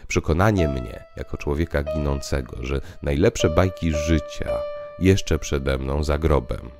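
Man acting a very deep, weary condemned revolutionary. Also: darkish tone, no echo, clean studio sound. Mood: ironic, doubting. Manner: rhetorical, philosophizing, ironic. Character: weary condemned male revolutionary, skeptical, grandiloquent. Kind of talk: dramatized audiobook monologue. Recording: piano music underneath.

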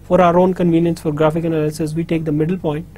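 Middle-aged man, South Asian accent, native Urdu speaker, lecturer, high-pitched for a man, soft mellow tone, explanatory. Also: flat delivery, fast, a little hiss or hum. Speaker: university lecturer. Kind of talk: lecture explaining a diagram while drawing. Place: studio, indoors.

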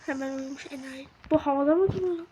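A woman's voice: high voice, fast talker, background noise. A woman commenting on a horror game as she plays. She swears, mutters prayers when scared and shrieks when startled. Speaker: gamer.

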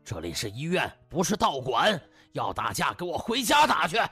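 A man's voice: a little high, wildly swooping pitch, moderate pace, pushed and bright, husky, soft background music, full character voice. A man voicing an irate hospital director in an audiobook, barking orders. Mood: angry.

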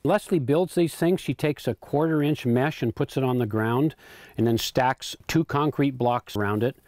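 A man in his eighties giving a relaxed, rambling tour of his homestead, often repeating words while he thinks, on a lapel mic with faint background noise. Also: mid-range voice, moderate pace, dry recording. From United States. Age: 80s. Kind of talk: casual tour talk. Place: outdoor garden and home pantry.

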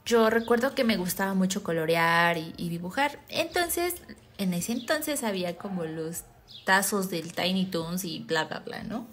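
A woman with a Mexican accent, co-hosting a podcast in casual chat, telling stories in an animated way. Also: lowish voice, a little slow. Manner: animated storytelling, acts out quoted voices. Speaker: podcast co-host.

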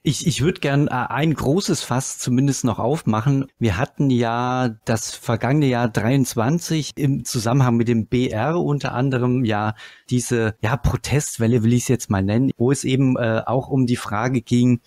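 A man's voice: mid-range voice, moderate pace, darkish tone, no room sound. A man co-hosting a podcast, putting questions in a casual conversational style. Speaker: podcast co-host, interviewer. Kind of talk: casual interview chat.

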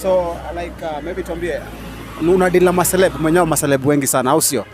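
A man's voice: fairly high pitch, fairly even intonation, quick pace. A young Kenyan man hosting a casual street interview outdoors, chatty, mixing Swahili and English slang. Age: young adult. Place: outdoors on a shop front bench.

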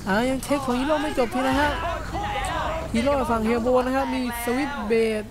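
A man with a high voice giving excited, casual play-by-play commentary over a video game, full of exclamations. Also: a little fast, over a noisy crowd. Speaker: gameplay commentator.

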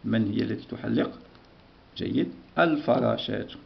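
A man teaching a grammar lesson to young pupils, slow and repetitive, often praising the class. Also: on the low side, gravelly, lo-fi sound.

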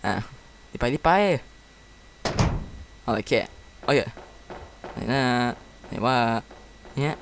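A man giving casual commentary while playing a game. He reacts excitedly and reads the dialogue aloud. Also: medium pitch, slow pace, creaky, long pauses, noisy background. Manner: chatty, explains controls to viewers. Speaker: game let's-play commentator.

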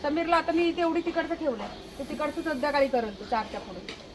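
A woman's voice: high voice, animated, quick pace. A woman chatting casually through a home vlog, talking and scolding as she goes. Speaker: vlogger. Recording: noisy home recording.

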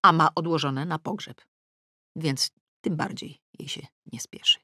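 A middle-aged woman reading a novel aloud in the first person, with wry, lively comic timing. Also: deep voice, measured pace, no room sound, studio quality. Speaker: audiobook narrator. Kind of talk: first-person audiobook narration. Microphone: close studio mic.

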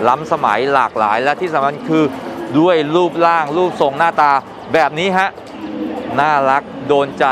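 A middle-aged man presenting a walkthrough at a car show, upbeat and informative, recorded on a lapel mic in a large indoor exhibition hall. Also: fairly high pitch. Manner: upbeat and informative, with polite sentence endings. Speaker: motoring reporter. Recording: noisy exhibition hall ambience.

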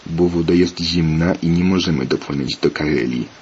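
A man voicing a calm, plain-spoken male yeti in a read-aloud story, at a slow flat pace. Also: low voice, natural voice. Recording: muffled lo-fi with faint hiss.

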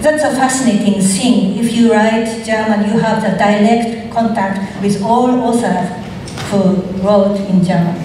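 A middle-aged woman whose first language is Japanese, speaking thoughtful, halting English with a Japanese accent in an onstage literary conversation. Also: medium pitch, steady tone, dark tone. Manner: slow, thoughtful, halting non-native English with pauses. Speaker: writer being interviewed on stage. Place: large auditorium stage. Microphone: stand mic, recorded from far off. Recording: echoey hall from far off, audience noise.

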